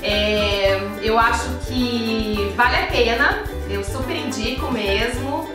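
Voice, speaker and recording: A woman's voice: a little high, slow pace. A woman in her thirties with a Brazilian Portuguese accent, chatting casually in a home vlog from her kitchen and gesturing as she explains. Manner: chatty, friendly, talks with her hands, frequent restarts. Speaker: home organization vlogger. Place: modern home kitchen, indoors. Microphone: camera at medium distance. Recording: echoey, distant, with background music.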